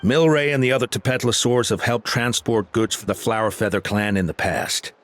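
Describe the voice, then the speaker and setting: A man voicing a steady, loyal tribal chief in a video game, sober and sincere. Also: on the low side, fairly quick, a little hiss or hum, close to an everyday voice. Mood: earnest. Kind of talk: earnest video game dialogue.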